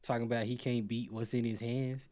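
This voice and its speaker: A man's voice: medium pitch, level tone, a little fast, warm tone, a little hiss or hum. A man bantering in an informal, slangy way as a panelist on a gaming show. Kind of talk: casual bantering talk.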